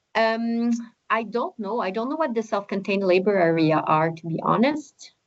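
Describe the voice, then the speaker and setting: A woman with a French-Canadian accent speaks at a fairly high pitch with lively intonation. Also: moderate pace. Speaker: statistician presenting data. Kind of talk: webinar presentation.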